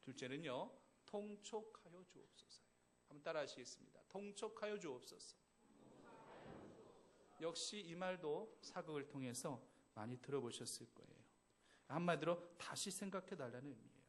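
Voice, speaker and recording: A man's voice: fairly high pitch, brisk, a little hiss or hum. Emphatic male pastor preaching. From Seoul. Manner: emphatic preaching with rising, swelling phrases; playful, teasing the congregation. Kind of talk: sermon. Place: church service.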